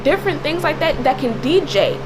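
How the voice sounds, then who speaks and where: A woman with a slightly raspy, cracking voice giving informal, preachy commentary in an emphatic, repetitive way as a video creator. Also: high-pitched, big pitch swings, brisk, over music. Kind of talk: informal spoken commentary with religious exhortation.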